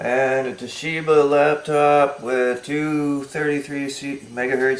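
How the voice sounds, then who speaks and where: Mumbling at a very slow pace with fairly even intonation, the speaker is heard over noticeable background noise. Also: man. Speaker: computer repair hobbyist. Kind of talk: casual talk to camera.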